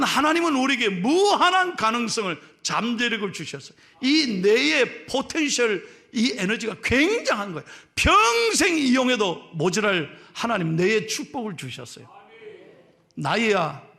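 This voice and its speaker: A middle-aged male pastor with a Gyeongsang accent, preaching a sermon in a joking, lively way and teasing his congregation. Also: high-pitched, creaky. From Gyeongsang region of Korea. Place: church sanctuary.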